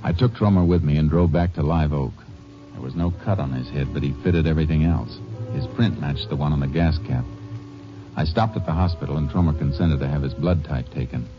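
An actor playing a stern, dogged Texas Ranger, terse and commanding, in 1950s western radio drama. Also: male voice, extremely low pitch, fairly quick. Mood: grim, measured. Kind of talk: 1950s western radio drama acting with first-person narration. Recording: dull old radio recording with music.

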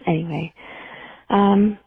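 Tinny phone voicemail, woman caller, super croaky and raspy, sounds down in a funk. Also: mid-range voice, steady tone, slow, no room sound. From Temecula, California. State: downcast, in a funk. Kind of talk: casual voicemail message.

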